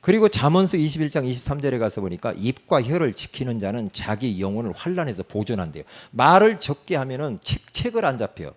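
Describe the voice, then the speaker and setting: A man's voice: medium pitch, quick pace, hardly any pauses. A man preaching a sermon as a pastor, colloquial and teasing, acting out quoted lines and often prompting the congregation. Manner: animated, acts out quoted speech, frequent "응?" prompts.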